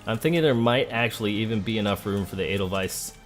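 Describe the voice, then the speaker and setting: Male let's play host, lowish voice, conversational and thinking aloud, light music behind. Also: fast talker. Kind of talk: casual game commentary. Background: game music.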